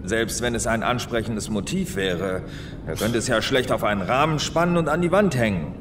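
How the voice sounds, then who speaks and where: A fatherly, weary senior policeman played by a man speaks in a science fiction radio play. His middle-aged voice is on the low side and moves animatedly in pitch, with clear noise around it. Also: animated, moderate pace, lightly acted. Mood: pondering. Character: fatherly, weary older male police superior. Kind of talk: audio drama acting.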